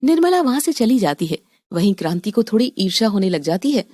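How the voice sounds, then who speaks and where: A woman narrating a scripted animated family story in a calm, even storytelling tone. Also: medium pitch, fast, no room sound, clean studio sound.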